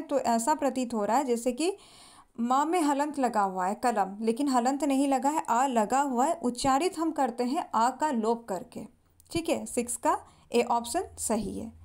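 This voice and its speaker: A woman's voice: sits high, darkish tone. A woman teacher, patiently going through exam multiple-choice questions and repeating each answer. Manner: explains patiently, repeats each answer, often says "thik hai".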